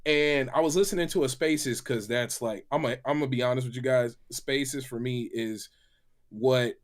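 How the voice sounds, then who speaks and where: A man chatting in animated, slangy podcast banter, excitable and often repeating his phrases. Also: mid-range voice, moderate pace. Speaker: gaming podcast panelist and reviewer. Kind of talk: animated casual panel banter. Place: remote call on a livestream.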